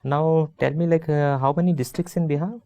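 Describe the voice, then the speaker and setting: A man's voice: on the high side, fairly even intonation, brisk, mellow, no echo. A man on an interview panel, asking brief probing questions.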